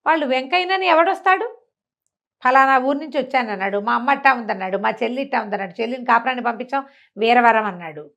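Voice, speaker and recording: A woman tells a folk tale in a chatty, colloquial way, acting out the villagers' quoted remarks as she goes. Her voice is a little high and a bit bright, and she talks fast. The recording sounds muffled.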